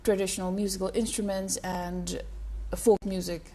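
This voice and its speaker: A woman's voice: mid-range voice, flat delivery, normal speed, mellow. A woman hosting a conversational television interview, asking guests questions. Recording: faint background ambient noise.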